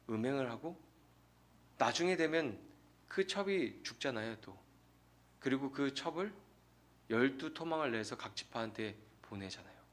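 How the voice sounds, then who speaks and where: Bright-voiced man preaching a sermon. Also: mid-range voice. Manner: earnest preaching with rhetorical questions to the congregation. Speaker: pastor. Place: church sanctuary.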